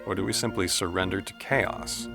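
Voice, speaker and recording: Reflective letter writer for audio drama: low, gravelly, formal, quietly philosophical, music underneath. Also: male voice, fairly even intonation. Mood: warning, reflective. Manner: deliberate, formal.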